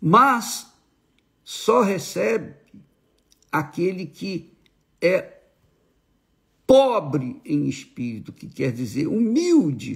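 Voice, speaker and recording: A man with a high pitch speaks at a very slow pace, leaving long, frequent pauses. His pitch swings very widely, and his loudness swings a lot too. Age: 80s+. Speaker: preacher. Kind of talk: sermon. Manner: repetitive, emphatic.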